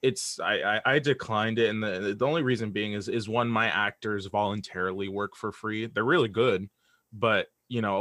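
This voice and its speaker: Casting: young man as podcast guest, slightly deep voice, very dry recording, sincere and conversational, stumbling and repeating words while thinking. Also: fairly bright tone, dry recording. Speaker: guest, audio drama creator. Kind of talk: casual interview chat.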